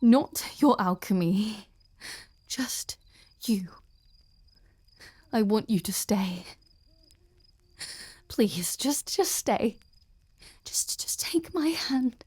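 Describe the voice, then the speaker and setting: Slow, intense, possessive ice queen, played by a woman. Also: medium pitch, lively intonation, a little mellow, full character voice. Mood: angry, possessive, then desperate pleading. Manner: halting, slow, intense, often dropping to a breathy whisper. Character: obsessed, cruel yandere ice queen general, wounded and possessive. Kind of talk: dramatic audio roleplay addressed to the listener.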